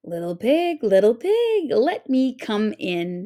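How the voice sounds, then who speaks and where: A woman's put-on character voice, high-pitched and growling, with very wide pitch swings at a fairly slow pace. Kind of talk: bedtime story. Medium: read story. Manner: growling, menacing.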